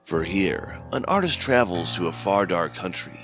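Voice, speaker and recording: A man performs an ominous host of a mysterious otherworldly signal, very deep and bright-edged, with lively swoops in pitch. His horror narration is theatrical and portentous, set over music. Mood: ominous, musing. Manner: portentous, ornate, deliberate phrasing. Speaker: host of a horror anthology podcast. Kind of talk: scripted dramatic horror narration. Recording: music under the voice.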